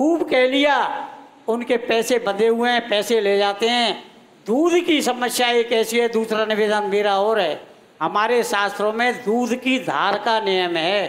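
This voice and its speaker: The loudness stays very even. Pitch variation is ordinary. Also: man, extremely high pitch for a man. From India, Braj region (Mathura, Govardhan). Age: 70s. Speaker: local elder, debate panelist. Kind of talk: panel discussion.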